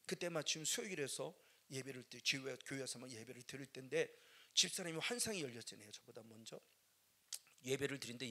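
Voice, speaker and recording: A middle-aged male pastor giving a dramatic testimony sermon, swinging between loud outbursts and hushed murmurs. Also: on the high side.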